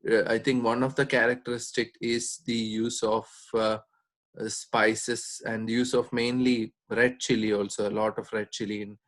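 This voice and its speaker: A doctor gives an informal explanatory talk, measured and hesitant with frequent pauses. His voice is lowish and a bit bright, with a flat delivery.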